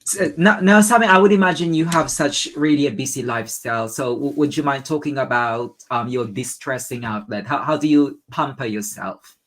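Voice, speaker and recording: A woman's voice: rumbling low, moderate pace. A woman from the Philippines with a Filipino accent, hosting an interview and asking questions with frequent stumbles and repeated words. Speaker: interview host.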